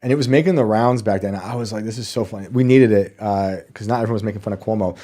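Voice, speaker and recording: A man's voice: lowish voice, fast, mellow. A man hosting a podcast interview, wry and joking, laughing often. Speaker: podcast host. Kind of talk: casual interview chat.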